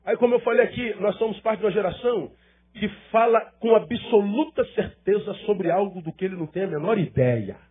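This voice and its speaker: A man's voice: high-pitched, a little fast, breathy edge, narrow, tinny audio. A male pastor preaching a sermon with emphatic rhetorical questions and repetition.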